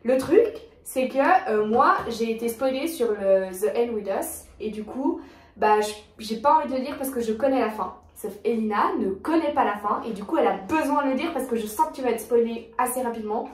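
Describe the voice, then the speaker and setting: A woman's voice: a little high, brisk, darkish tone. A young woman chatting casually as a vlogger, talking with many fillers and restarts. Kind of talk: casual chat. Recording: echoey room, voice from far off.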